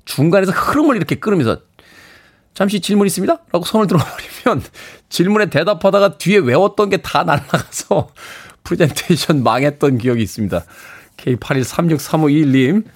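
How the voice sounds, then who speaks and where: A man's voice: on the high side, expressive, a little fast. A man hosting a radio show, chatting, reading listener messages and plugging events with self-mocking humor. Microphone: studio microphone.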